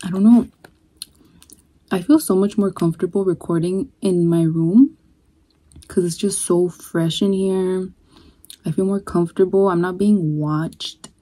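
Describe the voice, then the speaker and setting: A young woman chatting casually to camera in her bedroom during a food vlog, relaxed and unhurried, trailing off with fillers. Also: fairly low pitch, breathy edge. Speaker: vlogger. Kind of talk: casual mukbang chat.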